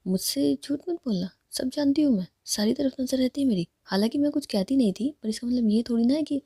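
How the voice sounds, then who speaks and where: A bossy older-sister figure lays down the law, as a woman voices her in a spoken story. The voice is husky and warm. The sound is dry. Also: high voice, brisk, no echo, pitched above the performer's own voice.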